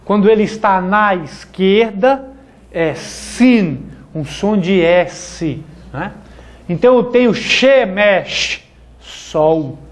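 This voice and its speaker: A man's voice: sits high, lively intonation, a little hiss or hum. A man teaching a classroom lesson, who repeats each word and ends his phrases with "né?" and "tá?". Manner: slow and deliberate, repeating words and ending with "né?" and "tá?". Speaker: Hebrew teacher. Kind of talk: classroom lecture.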